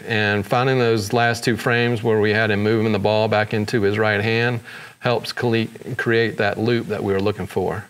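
A man with a fairly low voice narrates a screen-recorded editing tutorial. He moves step by step in an easygoing way, dropping in fillers as he goes. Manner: relaxed step-by-step explaining with fillers. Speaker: photography tutorial host.

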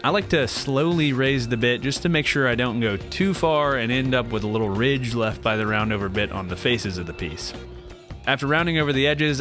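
A man's voice: medium pitch, a bit bright. A man in his thirties, host of a woodworking channel, plainly explaining each step of a build in voice-over. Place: home woodworking shop.

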